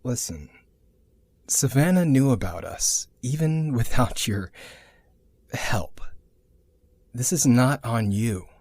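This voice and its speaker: A woman's voice: a bass voice, animated, slow, pauses often, darkish tone, slightly rough, dry recording, heavily acted. A woman playing a blunt, irreverent but caring friend in an audio drama, speaking informally and a little hesitantly. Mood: gentle, comforting. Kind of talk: audio drama acting, casual dialogue.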